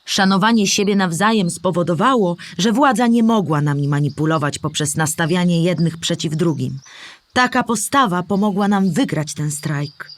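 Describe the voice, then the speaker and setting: An actress playing an earnest, principled woman activist giving deliberate first-person testimony in an audio drama. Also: fairly low pitch, lightly acted. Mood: earnest, resolute. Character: female strike activist recalling events, earnest and principled.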